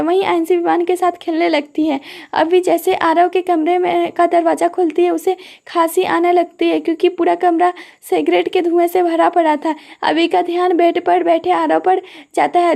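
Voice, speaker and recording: A woman narrating an audio story with a very high, gravelly voice. Her delivery is flat and steady, with little rise and fall in pitch.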